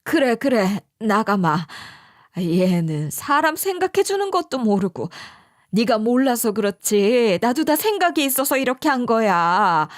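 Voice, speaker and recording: A woman's voice: on the high side, big pitch swings, a little slow, no echo, clean studio sound. A woman voicing a pushy, meddling older mother-in-law who nags and scolds as she tells the story. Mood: huffy. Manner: nagging, scolding.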